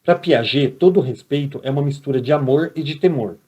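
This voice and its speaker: A man's voice: on the high side, brisk, a little mellow, slightly rough. A man with a Brazilian Portuguese accent giving a recorded lecture as a teacher, talking conversationally and often checking in with his listeners.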